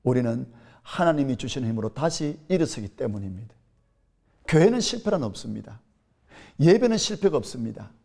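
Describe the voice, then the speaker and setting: A man's voice: fairly high pitch, creaky, darkish tone. A man in his fifties, a pastor with a Gyeongsang accent, preaching an earnest storytelling sermon that rises to emphatic peaks. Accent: Gyeongsang Korean.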